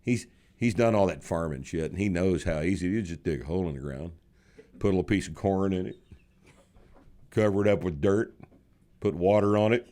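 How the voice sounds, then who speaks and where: A man's voice: low voice, fairly quick, long pauses, dark tone. A man in his sixties hosting a podcast, chatting in a blunt, sarcastic, joking way. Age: 60s. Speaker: podcast host. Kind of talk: casual chat.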